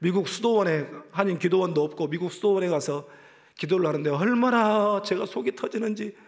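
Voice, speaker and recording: Korean pastor guy preaching in church, high-pitched voice, gets loud then goes whispery. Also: a little fast, gravelly. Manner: impassioned storytelling, swelling loud then dropping to hushed whispers. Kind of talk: sermon. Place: church sanctuary.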